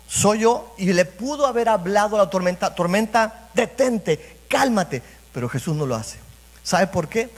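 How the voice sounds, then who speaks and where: A man preaching a sermon as pastor, repeating phrases and speaking straight to the congregation. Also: high voice. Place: church sanctuary. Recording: reverberant church hall.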